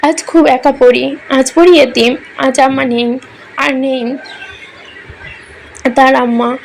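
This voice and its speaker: A woman's voice: sits high, steady tone, takes it slowly, creaky, a little hiss or hum. A woman narrating a romantic story in an emotional, melodramatic reading style.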